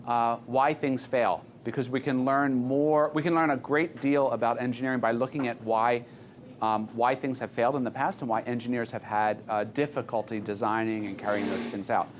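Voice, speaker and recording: An American man teaches an engineering class in a relaxed way, firing quick questions at students and repeating back their answers. His voice is medium in pitch and steady in tone, with slight noise in the background.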